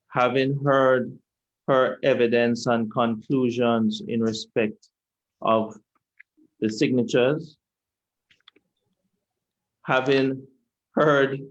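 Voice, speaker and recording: A man with a Jamaican accent, a lawyer questioning a witness at an inquiry in a measured, deliberate, repetitive way. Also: medium pitch, dull audio. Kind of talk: courtroom cross-examination. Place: inquiry hearing room.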